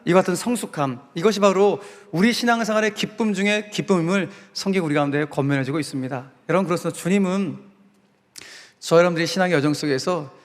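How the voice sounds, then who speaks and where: Male pastor, sermon, earnest dramatic storytelling, slightly high voice, long church hall reverb. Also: quick pace. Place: church sanctuary.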